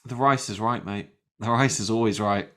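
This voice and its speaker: A man's voice: on the low side, fairly even intonation, moderate pace, fairly bright tone. A man co-hosting a podcast, teasing his co-host and giggling through casual chat. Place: Brighton.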